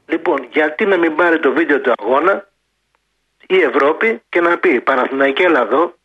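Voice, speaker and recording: A man's voice: a little high, expressive, breathy edge. A man calling a sports radio show, ranting heatedly and repeating his points. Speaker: caller. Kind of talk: casual call-in chat. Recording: muffled phone line.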